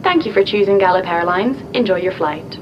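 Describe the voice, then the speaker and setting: A woman's voice: animated, brisk, close to an everyday voice. A woman playing a flight attendant making formal cabin announcements in a scripted English-lesson recording. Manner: polite, formal announcement delivery. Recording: muffled sound with clear background rumble.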